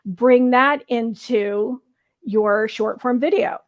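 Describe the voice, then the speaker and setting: A woman's voice: on the high side, slow. A woman co-hosting a talk show, speaking in a casual panel discussion.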